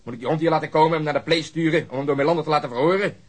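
An actor playing a gruff, sarcastic police detective in a radio drama, speaking in an exasperated, grumbling way. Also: male voice, a little high, very fast, lightly acted. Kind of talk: Dutch radio drama acting.

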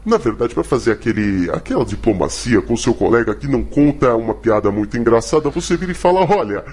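Casting: Brazilian male comedy professor, mid-pitched and husky, halting mock-didactic delivery. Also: lively intonation, a little mellow. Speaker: comedy professor host answering callers.

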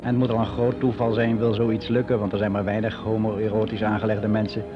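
A man's voice: on the low side, close to an everyday voice. An actor playing a lonely, self-deprecating middle-aged gay man, confiding hesitantly in a naturalistic radio drama monologue. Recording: very noisy radio play recording.

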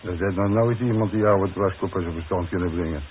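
Gruff working-class Dutch foreman, played by a man, deep voice, wry and blunt, 1960s radio play, thin hissy sound. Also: a little fast, close to an everyday voice. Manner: dry, sardonic, blunt. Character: gruff, wry working-class demolition foreman, stubbornly frank with his boss. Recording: muffled, hissy old radio broadcast recording.

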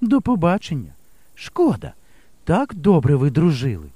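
A man voicing a brave, resolute young woman, a village teacher who speaks in a bright, brisk and reassuring way in an audiobook. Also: a little high, wildly swooping pitch, slightly rough, no room sound, exaggerated voice. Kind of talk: audiobook character voice.

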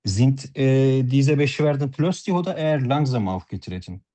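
Mellow-voiced man, formal and polite. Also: mid-range voice, moderate pace. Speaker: doctor taking a patient history. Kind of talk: role-played doctor-patient practice talk.

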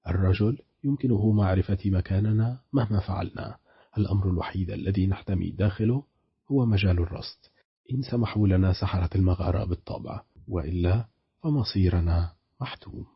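A man's voice: deep voice, fairly quick, slightly rough, no echo, highs cut off, full character voice. A man voicing a worried young woman on the run, who speaks hesitantly and searches for words. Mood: uneasy.

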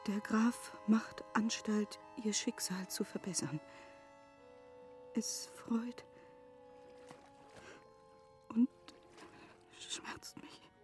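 An actress playing a grave, self-restrained noblewoman in a literary radio drama, speaking in a hushed, halting, solemn way. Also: mid-range voice, fairly even intonation, in a whisper, over music. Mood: pained, tender.

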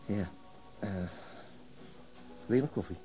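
A man's voice: fairly low pitch, slow pace, dark tone, soft background music, low-quality recording. An actor playing a subdued, hesitant, understated policeman in a Dutch radio crime drama. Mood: hesitant, serious. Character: subdued, hesitant male policeman back from hospital.

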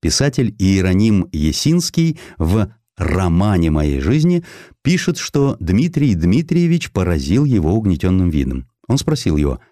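A man narrating a historical sketch in an expressive scripted style, with dramatic, deliberate phrasing. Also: low-pitched, no room sound, studio quality. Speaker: audiobook narrator.

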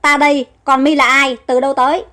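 Woman voicing a haughty wounded prince in an audio story, high voice. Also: flat delivery, a little fast, pushed and bright. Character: proud wounded young male prince.

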